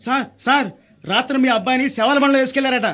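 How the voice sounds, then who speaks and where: High-pitched man, scolding, lo-fi sound. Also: fairly even intonation, very fast. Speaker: comic actor in a hospital sketch. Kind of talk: comic dialogue sketch.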